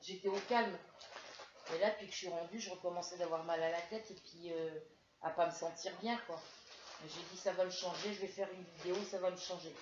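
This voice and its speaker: Rambling unwell woman, low voice. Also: fairly even intonation, brisk, noisy background. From France. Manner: rambling, hesitant storytelling with many fillers. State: feeling ill, headache. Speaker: crafts vlogger. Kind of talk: casual chat to camera. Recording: roomy, dull lo-fi home recording.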